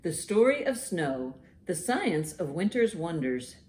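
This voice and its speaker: A woman hosting a children's storytime, reading and explaining in simple, expressive language meant for young listeners. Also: lowish voice, measured pace. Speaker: children's librarian, storytime host. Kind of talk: children's storytime, reading a picture book aloud and commenting.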